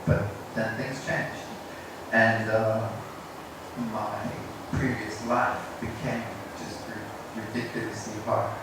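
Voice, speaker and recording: Slow, hesitant man in an echoey room. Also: lowish voice, level tone. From South Africa. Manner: hesitant, self-deprecating. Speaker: English teacher. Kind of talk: informal personal story to a group. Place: indoor room at a teachers' workshop. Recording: echoey room, distant mic, noisy.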